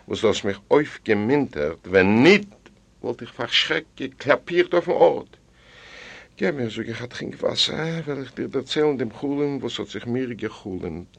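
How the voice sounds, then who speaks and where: Animated male storyteller reading aloud. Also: unhurried, creaky. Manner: lively, voicing the characters with big shifts of pitch and loudness. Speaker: narrator reading an audiobook. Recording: library recording from the 1980s or 1990s.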